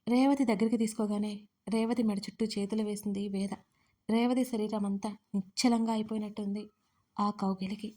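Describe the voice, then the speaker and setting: A woman storyteller reading a dramatic audio story in a steady, scripted narration. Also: mid-range voice, a little fast.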